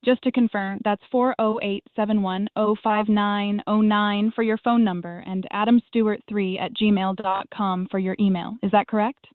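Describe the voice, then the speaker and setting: A synthetic woman's voice answering calls as a receptionist, polite, even and formulaic. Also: mid-range voice, moderate pace, few pauses, dry recording. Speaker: AI phone receptionist. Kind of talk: scripted phone answering. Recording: dry tinny phone line.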